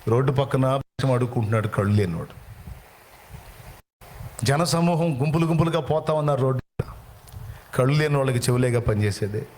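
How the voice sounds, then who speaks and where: A man's voice: medium pitch, lively intonation, brisk, pauses often, a little mellow, slight background noise. A male pastor delivering a dramatic sermon, telling a story and putting questions to the audience. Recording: music playing behind.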